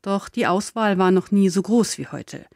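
A woman presenting a church radio program, announcing in a measured, formal way. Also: mid-range voice, expressive, darkish tone, dry recording, studio quality.

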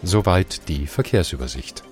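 Low-voiced male radio newsreader. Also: moderate pace, soft background music. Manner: even, matter-of-fact delivery. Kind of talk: scripted news and traffic reading. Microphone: studio microphone.

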